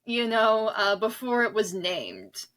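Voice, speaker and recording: A woman's voice: a little high, big pitch swings, takes it slowly, fairly bright tone. A woman guest in a conversational podcast interview, talking in an earnest, emphatic, rambling way. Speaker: interview guest, author and audio drama director.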